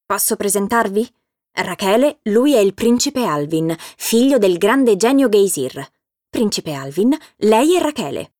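A woman's voice: mid-range voice, big pitch swings, unhurried, a little mellow, no room sound, studio quality. A woman voicing a young male woodpecker who is proud and easily offended, speaking in a teasing, indignant way.

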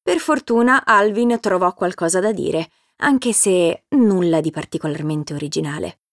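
A woman narrating a children's storybook in a steady, clear reading voice. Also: lowish voice, normal speed, no echo, studio quality.

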